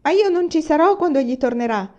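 A woman's voice: high-pitched, sing-song, a little fast, dark tone, lo-fi sound, pitched above the performer's own voice. A woman voicing a tearful, sulky young princess who is about to be married, pleading through sobs. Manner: pleading, sobbing protests.

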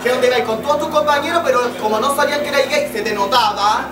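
A man's voice: very high-pitched, fast. Brash young Chilean man in drag banter. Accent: Chilean Spanish. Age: young adult. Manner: brash, teasing, loud slang. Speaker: guest. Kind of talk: bawdy banter. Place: large crowded bar. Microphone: handheld mic. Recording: echoey bar, mic from a distance. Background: loud music and crowd.

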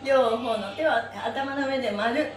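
A woman's voice: on the high side, measured pace. A middle-aged woman hosting a live stretch class, chatting and instructing in a cheerful, playful, exclamatory way. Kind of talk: live-streamed exercise class and chatty announcements. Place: small bare indoor room with wooden floor. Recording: echoey room with music behind.

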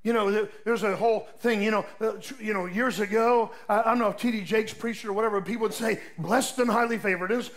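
An older man, a pastor, preaching a sermon in a folksy storytelling way, swinging between loud emphatic peaks and soft asides. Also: high-pitched, fairly even intonation, fast talker, few pauses.

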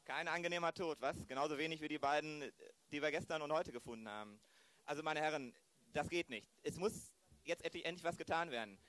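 A man's voice: on the high side, a little fast, a bit bright, no echo, close to an everyday voice. A man playing a formal, blustering police chief in an improvised amateur radio play. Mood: officious, concerned. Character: officious male police chief, brisk and demanding.

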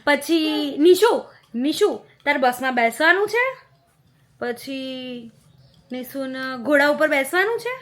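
A woman's voice: sits high, lively intonation, slow pace, a bit bright. A young woman who is a mother, chatting playfully at home and coaxing her toddler in a sing-song baby-talk manner. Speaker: mother and family vlogger. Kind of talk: casual family chat with a toddler.

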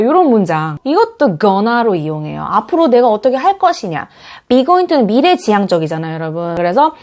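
A woman teaching an online English lesson, explaining in a lively way and repeating English example phrases slowly and clearly. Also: sits high.

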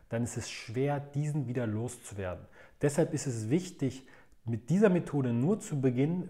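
A man's voice: mid-range voice, warm tone. A man teaching in a video lesson, laying out methods step by step in a methodical, explanatory way. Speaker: language learning coach.

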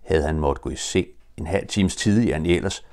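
An older Danish man reading a children's storybook aloud with lively, expressive storytelling. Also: deep voice. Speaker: audiobook reader.

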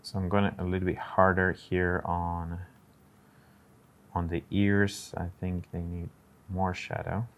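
A man's voice: low voice, little pitch movement, measured pace. A man casually narrating his drawing steps on a live stream, talking through each step and greeting viewers in chat.

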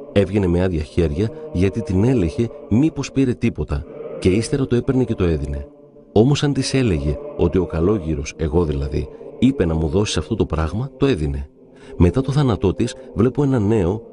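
A man narrating devout stories in a calm, measured reading. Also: low voice. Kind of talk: reverent scripted reading of saints' stories.

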